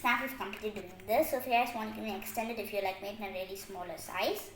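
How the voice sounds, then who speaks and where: A woman's voice: medium pitch, fairly even intonation, fast talker. A woman hosting a casual step-by-step craft tutorial, often padding her phrases with "like" as she explains. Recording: echoey room with faint noise, clicks.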